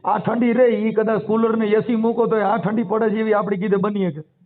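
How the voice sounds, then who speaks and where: A man with a Saurashtra Gujarati accent speaks emphatically on a phone call, explaining his views in colloquial speech and posing rhetorical questions. His voice sits high, with a level tone and normal speed, and the telephone recording is muffled and narrow-band.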